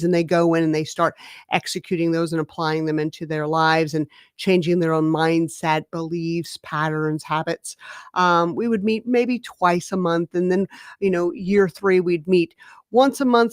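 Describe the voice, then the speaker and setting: A woman's voice: lowish voice, no echo, studio quality. A middle-aged woman, a career coach, telling a story as a guest and acting out the dialogue with energy. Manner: animated, acts out dialogue in the stories. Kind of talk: conversational storytelling.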